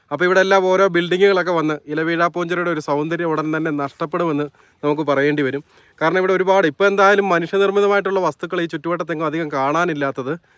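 A high-pitched male voice with fairly even intonation, dry and close with no echo, against a quiet background. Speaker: travel vlogger. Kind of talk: travel vlog narration. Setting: outdoors.

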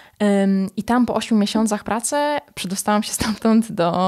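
The background stays quiet. A woman talks, her intonation fairly even. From Poland, Łódź. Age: 20s. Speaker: humanitarian aid worker. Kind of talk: interview conversation. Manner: halting, repeats words. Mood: calm, smiling, modest. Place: studio. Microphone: studio mic.

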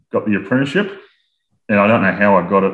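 A man with a fairly low voice talks, and room echo can be heard around him. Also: quiet background. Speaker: guest. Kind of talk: interview answer. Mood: relaxed, amused. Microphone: video call.

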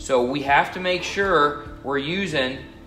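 Faint music sits in the background. Over it, a man speaks at a fairly slow pace. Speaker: welding instructor. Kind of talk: tutorial. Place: workshop.

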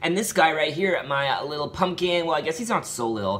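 A man speaks with very wide pitch swings. Light noise can be heard in the background. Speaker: home cook vlogger. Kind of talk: casual vlog chat. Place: kitchen. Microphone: phone near.

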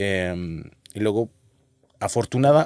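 A man with a Mexico City accent and a fairly low pitch, against a quiet background with a dry sound and no echo. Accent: Mexican Spanish (Mexico City). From Mexico City area. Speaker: comedian and content creator; comedian, content creator. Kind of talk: casual chat. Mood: relaxed, storytelling. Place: studio. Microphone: studio mic.

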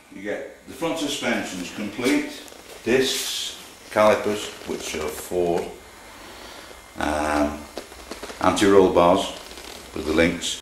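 A strong Lancashire accent at a very slow pace, with audible room echo and light background noise. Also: man. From Italian, living in England. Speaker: car designer. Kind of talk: interview answer. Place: workshop. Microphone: camera far.

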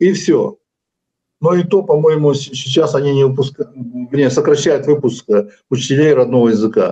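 Against a quiet background, a man with a fairly high, dark and mellow, somewhat breathy voice speaks at a moderate pace with long, frequent pauses, very even loudness and ordinary pitch variation. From Kalmykia, Russia. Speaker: political activist; guest. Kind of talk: interview. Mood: calm, measured. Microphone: video call.

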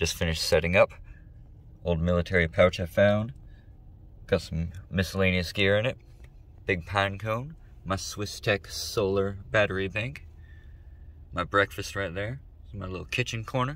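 The delivery has a moderate pace, long, frequent pauses, and ordinary pitch variation, with a dry sound and no echo. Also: man, fairly low pitch for a man. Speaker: camping vlogger. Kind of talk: casual vlog chat. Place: car. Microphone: phone near.

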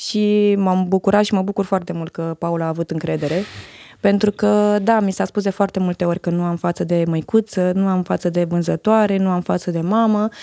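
A woman at a medium pitch with a dark, mellow tone, a monotone, flat intonation and a moderate pace, in a dry sound with no echo and a quiet background. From Galați, Romania; Romania. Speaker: actress. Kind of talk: casual chat. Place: studio. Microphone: studio mic.

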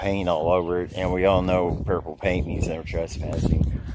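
A man's voice is heard with noticeable background noise. The sound is dry, with no echo. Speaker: vlogger exploring a property. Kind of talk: casual vlog chat. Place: open country. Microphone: phone near.

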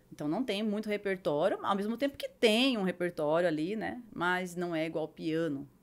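A woman speaks at a moderate pace with lively intonation. She leaves hardly any pauses. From Brazil. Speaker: harpist; podcast guest. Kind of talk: casual interview chat. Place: home room. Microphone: studio mic.

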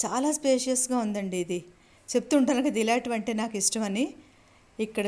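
A woman in a normal speaking voice with ordinary pitch variation, on a very clean recording with a silent background. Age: 50s. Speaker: devotional vlogger. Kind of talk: travel vlog narration.

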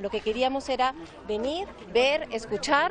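The sound is dry, with no echo at all. A woman talks while light background noise sits underneath. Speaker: government minister. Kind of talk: interview answer. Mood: serious, solidary. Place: street. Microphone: handheld.

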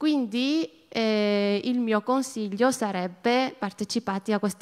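Speaking in a Georgian accent, a woman takes a fairly slow pace. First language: Georgian (speaking Italian). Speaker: European volunteer. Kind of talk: testimony.

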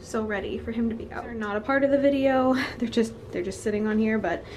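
A woman talks with fairly even intonation while light noise sits in the background. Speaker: home organizing vlogger. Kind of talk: casual vlog chat. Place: bathroom. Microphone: phone near.

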